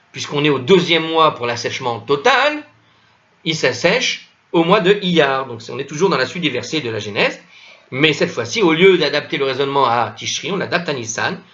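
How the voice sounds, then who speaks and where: A man's voice: mid-range voice, sharp tone, muffled recording. A man reading a religious text aloud in a lesson and explaining it patiently. He often stumbles, restarts and asks his listeners questions. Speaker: teacher commenting a religious text.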